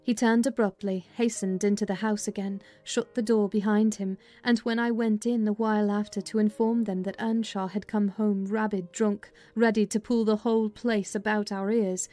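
A woman's voice: mid-range voice, mellow. Woman narrating a classic novel. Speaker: audiobook narrator. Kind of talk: dramatized literary narration.

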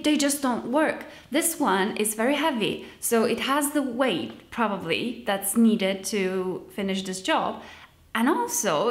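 A young adult woman, chatting casually and cheerfully to camera like a vlogger. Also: a little high. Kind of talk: casual vlog chat to camera. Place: sparsely furnished room with wooden floor, indoors. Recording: roomy echo.

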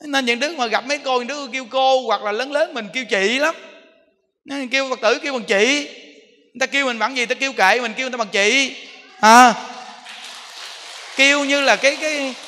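In a reverberant temple hall, a male monk delivers a sermon to lay followers, his voice high and bright. The dharma talk is easygoing and chatty, peppered with rhetorical questions aimed at the listeners.

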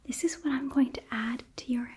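A young woman playing an eager, apologetic demon princess who runs a hotel, gently whispering in an ASMR roleplay with a hesitant manner. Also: high-pitched, fairly quick, noisy background, natural voice. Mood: gentle, reassuring. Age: young adult. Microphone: close microphone, seated before camera.

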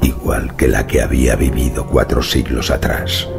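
A man narrating a horror audiobook in a gravelly voice, with slow, ominous, dramatic delivery. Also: a bass voice, steady tone, over music.

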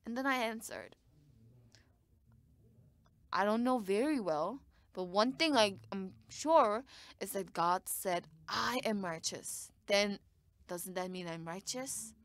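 A woman's voice: mid-range voice, slow, pauses often, no echo. A woman giving live interpretation of a sermon, speaking in short bursts with frequent restarts.

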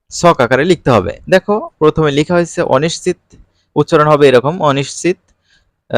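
A man runs a casual exam-prep lesson for students. His voice sits a little high for a man, and he talks in an easy, colloquial way with fillers. The recording is close and dry, with no room sound. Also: dry recording. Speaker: online tutor.

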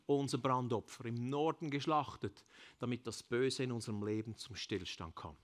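A Swiss-accented man preaches a sermon in a church service. He builds fervently to loud, ringing calls and then lets each phrase fall away quietly. English phrases slip into his talk now and then. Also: medium pitch, normal speed. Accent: Swiss German. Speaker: pastor.

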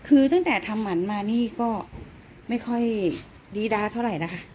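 A woman's voice: fairly high pitch, sing-song, normal speed, a little mellow, slight background noise. A woman at home filming her pets on a phone, chatting casually and talking to the animals in a cooing, baby-talk way. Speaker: pet-owner vlogger.

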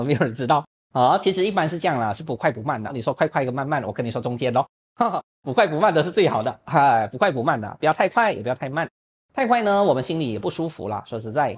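A man, a Buddhist monk, teaching and answering questions in a lively, humorous way over an online call, filling his speech with little particles. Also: on the high side, breathy edge. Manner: lively, humorous, acts out examples; frequent filler particles like "呢" and "啊". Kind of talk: Dharma talk answering questions. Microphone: online video call.

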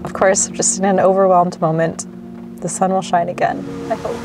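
A woman's voice: lowish voice, flat delivery, a little fast, very noisy. Anxious rambling young woman vlogging. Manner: anxious, rambling with many restarts and fillers. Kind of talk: casual vlog talk to camera. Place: inside a car, then a small cabin and outdoors. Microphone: handheld camera at arm's length.

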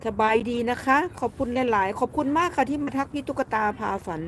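Brief: chatty Isan-accented woman streaming live from her garden, fairly high voice, faint outdoor hiss behind. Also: fairly quick, a bit bright. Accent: Isan Thai. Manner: chatty, laughs often, reads out viewer comments. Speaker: vlogger chatting with live viewers. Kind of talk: casual live-stream chat.

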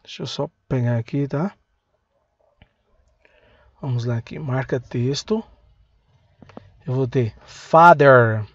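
A man with a Brazilian Portuguese accent teaching English to beginners, saying words slowly and having learners repeat them. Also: mid-range voice, dry recording, muffled recording. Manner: slow, drilling words for learners to repeat, breaks in to grab his pen. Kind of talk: language lesson for beginners.

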